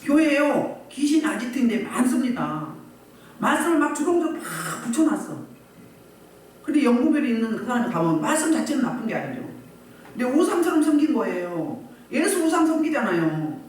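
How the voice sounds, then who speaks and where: Animated woman pastor preaching in an echoey hall. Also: high-pitched, fairly quick, slight background noise. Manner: animated, with rhetorical questions to the congregation. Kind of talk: sermon. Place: church hall. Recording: echoey church hall, voice from a distance.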